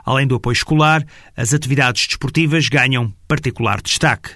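A man reading a scripted news report voice-over with a measured, formal delivery. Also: mid-range voice, sharp tone, dry recording, studio quality. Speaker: reporter narrator. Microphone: studio voice-over.

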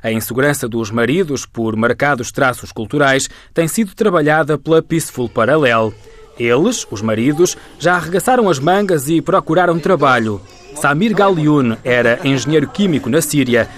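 A male news reporter with a European Portuguese accent narrates a television story. His voice sits a little high for a man, and his delivery stays measured and even throughout. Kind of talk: scripted news voice-over.

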